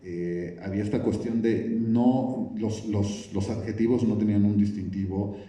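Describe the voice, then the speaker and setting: A man's voice: lowish voice, steady tone, a little slow, mellow. A man, a film director, answering at a press conference, thinking aloud with many restarts. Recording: echoey room, from a distance.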